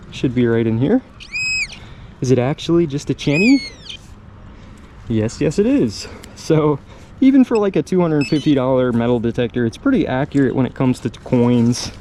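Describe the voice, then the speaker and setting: A man's voice: medium pitch, dark tone. A man chatting casually and musing aloud in a laid-back, slangy way as he hosts an outdoor metal detecting vlog in a park. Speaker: host of a metal detecting channel. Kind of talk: casual outdoor vlog chat, thinking aloud while searching. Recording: outdoor park ambience with clear background noise. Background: park ambience.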